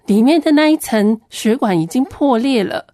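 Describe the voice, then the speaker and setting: High-voiced woman. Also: expressive, moderate pace, warm tone, dry recording, clean studio sound. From Hong Kong. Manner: earnest, plain storytelling. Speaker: Christian ministry worker giving a testimony. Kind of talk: personal testimony storytelling.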